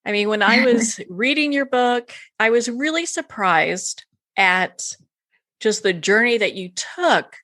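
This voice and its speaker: A woman's voice: a little high, lively intonation, measured pace, a bit bright. A woman hosting a talk show, introducing and interviewing her guest. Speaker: host.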